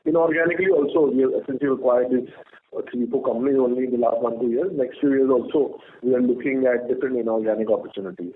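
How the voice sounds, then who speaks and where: A man's voice: medium pitch, fast. A man with an Indian accent answering questions as a company executive on an earnings call, firm and given to repeated filler phrases. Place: conference call by phone. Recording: tinny phone line with noise.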